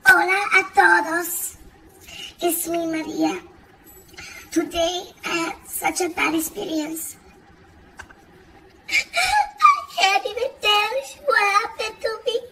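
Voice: very high-pitched, takes it slowly, vocal fry, long pauses, sharp tone, heavily acted, rough recording. A performer voicing a boastful, dramatic Latina woman who mixes Spanish words into English and keeps laughing. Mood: dramatic gossip. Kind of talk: comic character monologue.

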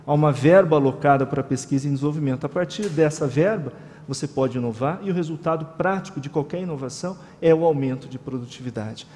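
A man's voice: on the high side, fast, a little mellow. A man in his forties from Brazil giving formal, explanatory remarks as moderator at a panel table. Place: conference room with panel table. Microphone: table microphone. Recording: long hall reverb.

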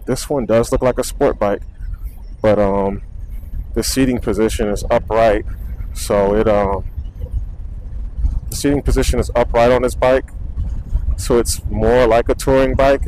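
A young man vlogging casually about his gear while riding a motorcycle, speaking low and easygoing into a wireless mic clipped inside his helmet. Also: poor audio. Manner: relaxed, rambling, talks low near the mic. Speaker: motovlogger. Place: indoors at home, then riding a motorcycle on city streets. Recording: faint road and wind noise.

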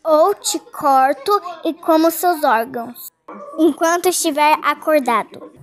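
A woman voicing a menacing, playful giant toy monster in a horror game fan dub, theatrical and drawn-out, with a Brazilian accent. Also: high voice, background noise. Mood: sinister.

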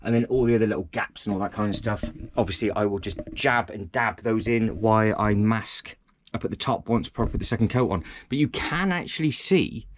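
A man chatting casually while painting and tidying his hobby room, repeating himself and joking at his own expense. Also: lowish voice. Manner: chatty, self-deprecating, lots of fillers and repeats. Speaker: vlogger. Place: indoor hobby room at home.

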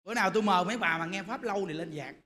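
A man delivers a Buddhist sermon, animated and chatty with his audience. His voice sits high and sounds bright and sharp. The recording carries a long hall reverb and a faint hiss. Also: very fast. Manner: lively, animated storytelling, addresses the audience directly. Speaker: Buddhist monk giving a dharma talk. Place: temple hall. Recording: echoey hall with faint noise.

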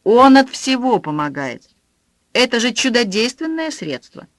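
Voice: mid-range voice, sing-song, a little slow, a bit bright, no room sound, pitched above the performer's own voice. Reader doing a young investigator guy, shy and smitten, audiobook figure, dry sound. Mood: playful.

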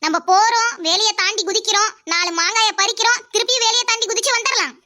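A woman's voice: very high voice, fast, pushed and bright. A woman voicing a sly, greedy village gossip in a cartoon dub who teases and eggs others on. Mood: sly, teasing.

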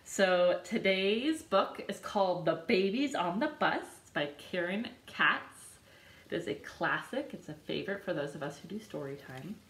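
A woman in her thirties, a children's librarian, singing a picture book for babies at home in a slow, bouncy sing-song with sound effects. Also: on the low side, expressive, a bit bright, roomy sound. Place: living room with a couch and a decorated wall.

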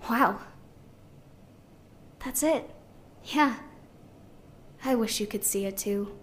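Young artist girl in an audio drama, playful n musing, highish voice, noisy clicky background. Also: slow. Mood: playful, excited, then awed, wistful. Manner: musing, conversational. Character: spirited young woman artist, playful, idealistic, talking to recorder. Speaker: actor in a sci-fi audio drama. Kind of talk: audio drama monologue, naturalistic.

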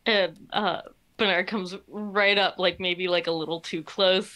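Bright-voiced chatty woman player. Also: fairly low pitch, fairly even intonation, unhurried. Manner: chatty, describes actions. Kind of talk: casual tabletop play.

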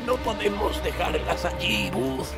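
A man acting a stubborn, cautious local from a small town in an audio drama. His voice sits high for a man, and he talks firmly and deliberately. Very loud music fills the background. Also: expressive, vocal fry, exaggerated voice. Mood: firm, concerned. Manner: firm, deliberate warnings.

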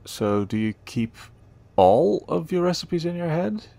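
A man acting a friendly, playful, eager young cafe helper in a romance audio roleplay, teasing and warm in a conversational way. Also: fairly high pitch, very animated, measured pace, vocal fry, full character voice. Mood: curious, teasing.

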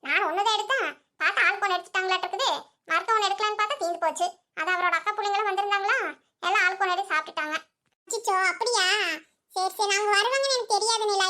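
A woman's voice: extremely high pitch, bright, forceful tone. A woman voicing chatty village women in a cartoon, fussing, gossiping and scolding. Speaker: cartoon character.

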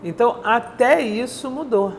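An older woman chats with her guest on a lapel mic in a bright studio, her voice pitched high for a woman. She tells stories in a drawn-out, repetitive way, circling back to her point, and a faint hiss of background noise sits under her words. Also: creaky. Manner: anecdotal, drawn-out storytelling with repeats. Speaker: interviewer. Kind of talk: casual studio interview chat. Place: bright indoor TV studio, seated.

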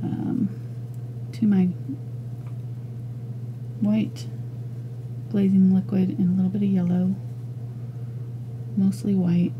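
A woman teaching an acrylic painting lesson, talking casually and thinking aloud as she works, with soft murmured asides. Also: mid-range voice, little pitch movement, slow pace, pauses often, dull audio, a little hiss or hum. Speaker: painting instructor. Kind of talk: relaxed step-by-step art lesson.

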